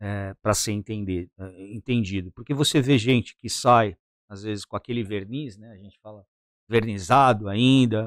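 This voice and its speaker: A man with an unremarkable speaking voice, fairly low in pitch with ordinary pitch variation, at a moderate pace with big swings in loudness, in a dry, close sound with no echo on a very clean recording with a silent background. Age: 50s. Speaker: podcast co-host, ex-military. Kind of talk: casual interview chat.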